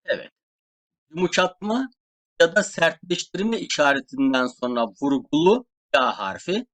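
Slow, deliberate male language teacher. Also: fairly high pitch, lively intonation, a bit bright. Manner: repeats words slowly and clearly for learners.

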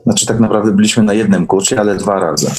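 A man's voice: on the low side, fast, a little mellow, slight background noise. A man speaking as a guest in a casual online interview, explaining things conversationally. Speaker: guest recounting course experiences. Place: online call.

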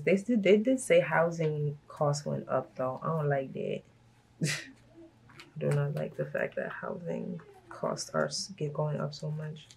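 Low, hoarse woman chatting casually. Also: a little hiss or hum, rough recording. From Brooklyn, New York. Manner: chatty, laughs often, relaxed asides. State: hoarse from a cold. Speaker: budgeting vlogger. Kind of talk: casual chat while stuffing cash envelopes.

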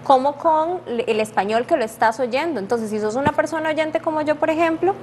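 A young woman with a Costa Rican accent, a sign language interpreter, explaining things clearly as a guest in a studio interview. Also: high voice, fairly quick, a little mellow, a little hiss or hum. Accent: Costa Rican Spanish. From Costa Rica. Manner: clear, explanatory, laughs easily. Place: dark studio set with armchairs. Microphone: lapel mic.

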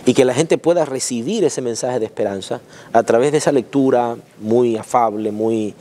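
A man's voice: mid-range voice, warm tone. A man in his thirties interviewing an author, stumbling and repeating words as he praises the book. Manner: halting, repeats words, admiring. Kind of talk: interview questions. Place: dim church sanctuary. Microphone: lapel.

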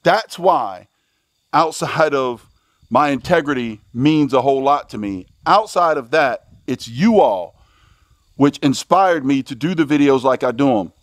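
Outdoors at a covered shooting range, a middle-aged American channel host comments to viewers in a folksy, exclamatory, casual way. He speaks at a measured pace in an expressive mid-range voice. The recording is dry and studio quality.

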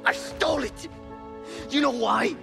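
A man's voice: very high voice, a little slow, creaky, music in the background, full character voice. An actor in his thirties playing a frightened, self-loathing pilot in a video game, speaking with anguished, bitter emotion. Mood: angry despair. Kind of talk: dramatic video game cutscene acting.

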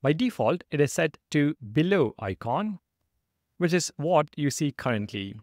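A man's voice: fairly high pitch, big pitch swings, measured pace, darkish tone, no echo, clean studio sound. A man narrating a step-by-step programming screencast as the instructor, in a methodical, instructional manner.

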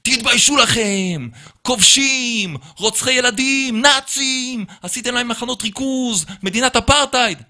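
A man voicing an angry, shouting male hostel boss who hurls accusations. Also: extremely high pitch, very animated, gravelly, hardly any pauses, voice pushed up, heavily acted. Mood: furious shouting.

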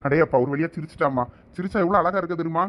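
A man's voice: a little high, very fast, lo-fi sound, close to an everyday voice. A man acting as a caring young husband in a village comedy-drama, coaxing and teasing his wife affectionately. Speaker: actor in a village family skit.

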